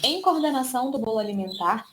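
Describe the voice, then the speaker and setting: Brazilian woman, speech therapist lecturing online; measured, fairly high voice that slows on key terms. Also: animated, background noise. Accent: Brazilian Portuguese. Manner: explanatory, stretches key words slowly.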